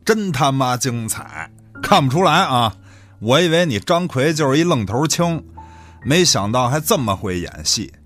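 A man plays a shameless, cynical village boss in a radio drama. His mid-pitched voice swings freely as he swears and sneers in self-justification, with music behind. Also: animated, normal speed, fairly bright tone, natural voice. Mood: mocking, accusing. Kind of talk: Chinese radio drama acting.

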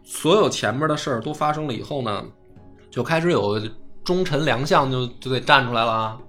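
A man tells a history tale with a lively voice that leaps up and down. He acts out the quoted lines and swears casually. Faint music plays underneath. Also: mid-range voice, brisk. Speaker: history podcast host. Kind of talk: casual storytelling chat.

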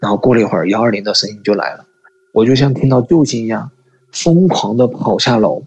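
A man calling in to tell a personal ghost story, talking in a halting, earnest way and often repeating words. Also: mid-range voice, a little mellow, slightly rough, highs cut off. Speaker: caller.

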